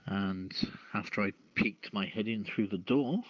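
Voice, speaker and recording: Slow-talking man, low voice over phone-like audio. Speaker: co-host of an online radio show. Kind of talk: casual radio show chat. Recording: phone-like two-way app audio.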